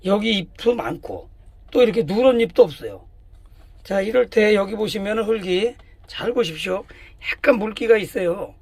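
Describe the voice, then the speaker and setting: Husky high-voiced man demonstrating plant care. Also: dry recording. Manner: emphatic, repeats key words, slips into plain speech. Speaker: plant grower explaining care. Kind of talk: casual hands-on demonstration.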